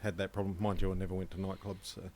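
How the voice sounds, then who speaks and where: Laid-back Australian man, lowish voice. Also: level tone, very fast, crowd noise. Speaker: podcast co-host. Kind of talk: casual chat.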